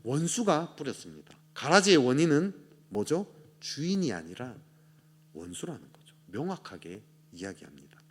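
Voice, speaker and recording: A man pastor preaching a sermon, swinging between loud urgent rises and low quiet endings.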